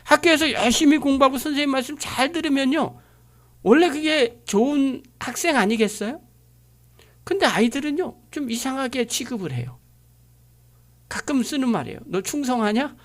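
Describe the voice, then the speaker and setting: A woman's voice: high voice, expressive, moderate pace. A woman pastor delivering a sermon, driving her points home with frequent rhetorical questions.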